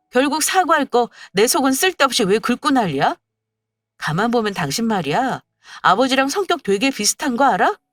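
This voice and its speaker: A woman's voice: on the high side, fairly bright tone, no room sound, clean studio sound, pitched above the performer's own voice. A woman voicing an angry young wife who scolds her husband indignantly in a storybook radio drama.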